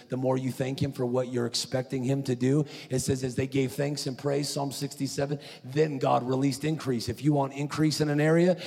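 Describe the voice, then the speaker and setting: A man preaching at a conference, telling a story with animated, acted-out quotes. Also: medium pitch. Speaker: conference speaker. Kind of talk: preaching sermon. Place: large conference hall. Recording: echoey hall.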